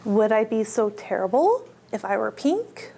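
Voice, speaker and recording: A woman's voice: on the high side, sing-song, measured pace, vocal fry, mellow, husky. A woman hosting a children's storytime as a librarian, reading picture books aloud in simple child-directed talk and putting questions to her little listeners.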